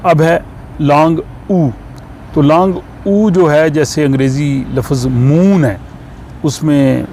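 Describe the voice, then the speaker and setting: A man with an Urdu accent explains a language lesson at an unhurried pace, pausing often on fillers. His voice sits at an ordinary middle pitch. Faint car and street noise hums behind him. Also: mellow. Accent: Urdu-speaking. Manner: slow, explaining with many fillers. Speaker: language teacher.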